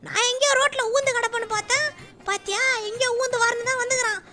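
Shrill teasing young friend. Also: fairly even intonation, fast talker, bright, forceful tone, soft background music.

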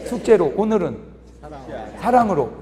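A middle-aged man preaching a humorous revival sermon, telling stories with animated delivery and acting out dialect speakers. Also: high-pitched, normal speed. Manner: animated storytelling, mimicking regional dialect speakers. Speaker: pastor. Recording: long hall reverb with faint ambience.

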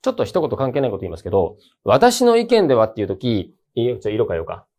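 A man's voice: medium pitch, wildly swooping pitch, fast talker, darkish tone. A man teaching an English grammar lesson for university entrance exams, talking in a casual, emphatic, colloquial way. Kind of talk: casual exam-prep lecture.

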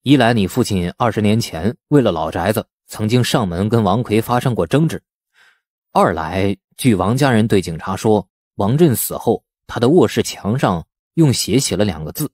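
A male narrator plays a knowing village man in an audiobook. He explains in a guarded, insinuating way, with lively pitch movement and a dry, close sound. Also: normal speed, dry recording.

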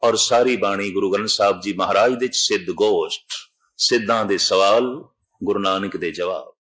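An older man with a Punjabi accent preaching a Sikh sermon, telling a story and drawing out quoted verses slowly. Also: lowish voice, a bit bright, rough recording. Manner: measured, slows to draw out quoted verses. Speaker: Sikh preacher giving katha.

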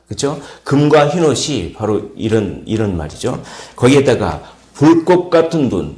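A man preaching an early morning sermon as pastor, explaining step by step, repeating key words and pausing with fillers. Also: mid-range voice, a little mellow, reverberant. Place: church sanctuary.

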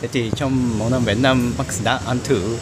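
A man's voice: medium pitch, steady tone, measured pace. A young man chatting casually as an interviewer, often echoing and confirming what he is told. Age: young adult. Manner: echoes and confirms the guest's answers. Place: open-air restaurant or cafe. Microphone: handheld small mic with windscreen, shared. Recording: noisy outdoor ambience, traffic and hum.

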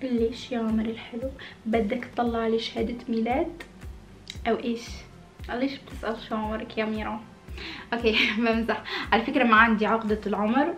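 A woman's voice: a little high, level tone, fast, pauses often, a bit bright, echoey room, soft background music. A woman in her late twenties chatting casually and expressively as she answers viewer questions in a small room. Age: late 20s. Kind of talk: casual chat. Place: small indoor room with red curtains.

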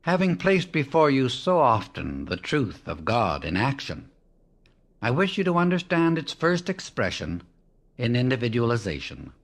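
A man reading a devotional book aloud as an audiobook narrator, in a measured, reverent way with long pauses. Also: mid-range voice, wildly swooping pitch. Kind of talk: slow, solemn reading of devotional text.

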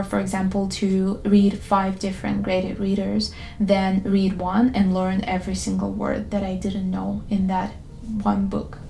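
A young woman who is not a native English speaker, calmly and candidly explaining to the camera in a scripted talk recorded in her bedroom. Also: mid-range voice, vocal fry. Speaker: language learning YouTuber. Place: bedroom with photo-covered wall.

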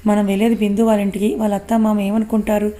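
A woman's voice: mid-range voice, flat delivery, very fast, mellow, close to an everyday voice. A woman voicing a worried young man who scolds and pleads with his friend.

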